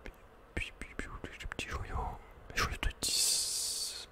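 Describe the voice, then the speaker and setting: A man with a French accent whispering casual, intimate ASMR video game commentary in a breathy, unvoiced voice, speaking informally to the listener. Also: slow, sharp tone. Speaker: ASMR gaming host.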